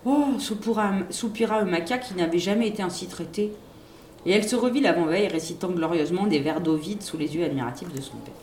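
A woman reading a children's book aloud in an expressive, lively storytelling manner. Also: fairly low pitch, quick pace, reverberant, a little hiss or hum. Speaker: reader.

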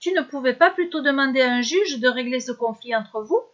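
A woman's voice: high-pitched, lively intonation, a little fast, fairly bright tone, lo-fi sound. A woman voicing a thoughtful young king who speaks earnestly and solemnly.

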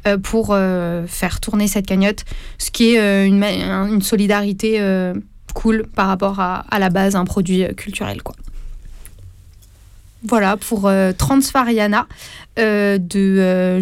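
A woman's voice: mid-range voice, clear, resonant tone, no echo. A woman reading her film review on a community radio show, hesitant and full of fillers. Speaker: radio columnist.

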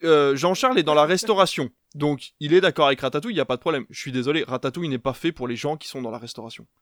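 A man's voice: mid-range voice, no room sound, studio quality. Hesitant man from Belgium on a film podcast. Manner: hesitant, many restarts and fillers. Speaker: podcast co-host. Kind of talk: casual film discussion.

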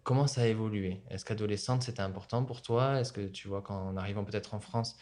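Young male podcast host, measured. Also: on the low side, fairly even intonation, a little mellow. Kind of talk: scripted podcast intro, then interview questions.

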